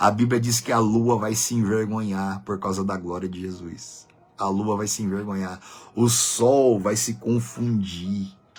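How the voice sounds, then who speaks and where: Music plays in the background. A man with a fairly low pitch speaks in an animated tone. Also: fairly slow pace. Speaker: Bible teacher. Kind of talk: Bible study livestream.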